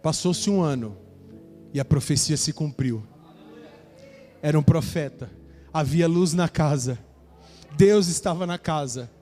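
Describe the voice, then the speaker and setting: Man preaching, high-pitched voice, storyteller acting out dialogue, reverberant church hall. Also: a little slow, long pauses, a little mellow, soft background music. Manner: storytelling preacher, acts out dialogue, addresses congregation. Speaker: pastor. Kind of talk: sermon.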